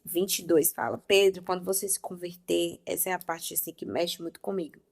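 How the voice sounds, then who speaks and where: A woman's voice: lowish voice, little pitch movement, a little fast, creaky, a little mellow. A woman from Brazil giving an informal, conversational sermon, acting out dialogue from scripture as she goes. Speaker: preacher.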